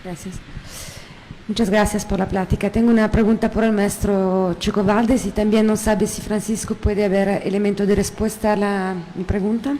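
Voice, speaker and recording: A woman who is not a native Spanish speaker asks a panel a question, speaking haltingly as she searches for words. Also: medium pitch, flat delivery, warm tone, slight background noise, low-quality recording. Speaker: audience member asking a question. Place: university museum hall.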